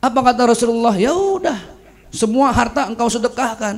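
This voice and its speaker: A man speaks in an animated tone. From Jakarta, Betawi; Jakarta. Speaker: Islamic preacher. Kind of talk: sermon. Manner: animated storytelling. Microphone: handheld.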